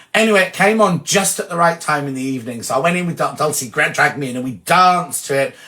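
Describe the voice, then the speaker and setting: His tone is bright and sharp. The man talks at a very fast pace with lively intonation. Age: 60s. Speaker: sewing presenter. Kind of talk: casual chat. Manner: chatty, rambling storytelling.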